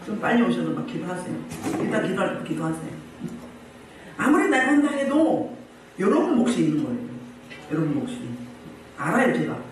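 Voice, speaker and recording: Lively high-voiced male pastor, echoey church room. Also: far from the mic. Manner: emphatic, lively preaching with many rhetorical questions. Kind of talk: sermon. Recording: very echoey room, voice from afar, faint noise.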